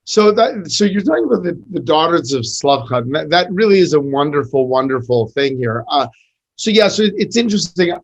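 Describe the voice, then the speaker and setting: A man's voice: on the high side, big pitch swings, a little fast. A middle-aged man, a rabbi, talking in a podcast interview, telling stories and teaching with many restarts and fillers. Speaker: rabbi and podcast host, guest.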